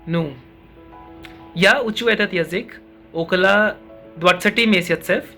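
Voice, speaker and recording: A man from India with an Indian accent answers interview questions as a guest on an online call, speaking carefully in a language he learned. He sounds thoughtful and a little formal, his high-sitting voice unhurried, creaky, bright, and forceful. Faint music plays behind him.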